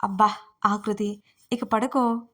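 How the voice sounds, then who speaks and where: A woman's voice: medium pitch, little pitch movement, slow pace. A woman voicing a shy young bride. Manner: shy, soft-spoken.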